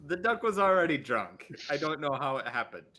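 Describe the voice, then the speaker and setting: A man's voice: a little high, very animated, a little fast, pushed and bright. A man playing a tabletop role-playing game, speaking in casual, playful banter. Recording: noticeable noise with clicking.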